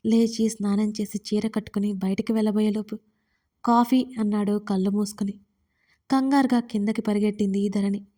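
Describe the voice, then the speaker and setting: A woman narrating a romantic audio story in a steady, even reading voice. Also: mid-range voice, a little fast. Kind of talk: scripted narration.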